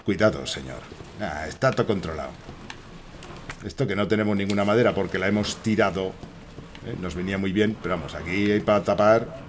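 A man with a Spain Spanish accent, commenting live on a horror game he is playing, with frequent swearing and excited outbursts at enemies and chat. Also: sits low, brisk, a little hiss or hum. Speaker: streamer.

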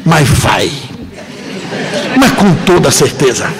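A man with a Brazilian Portuguese accent giving a lecture to an audience in an auditorium, emphatic and joking, with drawn-out dramatic pauses. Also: on the high side, sing-song, gravelly, a crowd in the background, low-quality recording. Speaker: seminar lecturer. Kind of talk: lively lecture to a live audience.

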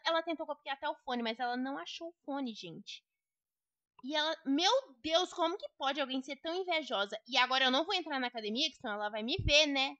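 A woman's voice: high-pitched, sharp tone, no room sound, highs cut off. A young woman with a Brazilian Portuguese accent giving gossipy, indignant role-play commentary on a game to her viewers. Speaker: Roblox gamer.

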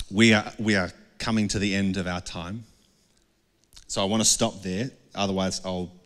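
A man's voice: on the low side, fairly bright tone. A middle-aged man preaching a conversational sermon on a handheld mic, often asking the congregation questions. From Australia. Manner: conversational, earnest, asks the crowd questions. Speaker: pastor. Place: dark indoor stage with a couch. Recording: long hall reverb.

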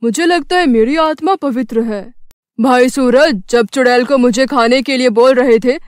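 A man voicing excitable, bickering villagers in a horror cartoon, with dramatic, emphatic delivery. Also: extremely high pitch, moderate pace, no room sound, studio quality. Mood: challenging.

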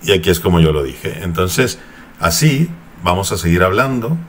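A man hosting a video, chatting casually and quickly while demoing an app, laughing now and then. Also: sits low, animated, a little hiss or hum. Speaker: tech YouTuber. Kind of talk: casual sponsored app demo.

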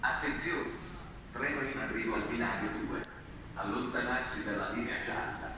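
A man's formal, evenly paced voice making a train station announcement over a loudspeaker. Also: on the low side, normal speed. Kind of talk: automated public announcement. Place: railway station platform. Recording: echoey station PA from far off, noisy. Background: station ambience.

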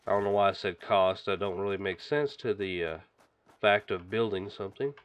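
A man hosting a gaming channel, chatting casually and reacting excitedly as he plays, sniffling from a stuffy nose. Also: fairly low pitch, normal speed, smooth. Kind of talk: casual game commentary.

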